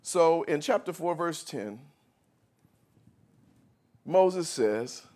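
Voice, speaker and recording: A man delivers an animated sermon to his congregation. His voice sits high for a man and leaps all over the place, dropping low and quiet, then rising into shouts as he plays out the scripture. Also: extremely slow. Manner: animated preaching, acts out a stammering Moses with shouts. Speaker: pastor.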